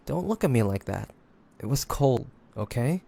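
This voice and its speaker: A wary young monster hunter from the 1850s, acted by a man in an audio roleplay. He talks slowly with a gravelly creak, halting and grudging, as if reluctant to trust the one he is speaking to. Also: mid-range voice, very animated, mellow, exaggerated voice. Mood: flustered, defensive. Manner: hesitant, grudging, halting with sighs. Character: wary, stubborn young male demon hunter of 1853. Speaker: voice actor. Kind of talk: intimate audio roleplay acting, addressing the listener.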